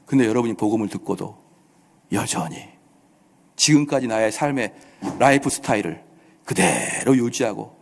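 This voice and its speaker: A male pastor preaching a sermon to his congregation, with lively delivery and frequent rhetorical questions. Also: on the low side, moderate pace, vocal fry, long pauses. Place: church sanctuary. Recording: long reverb of a church hall.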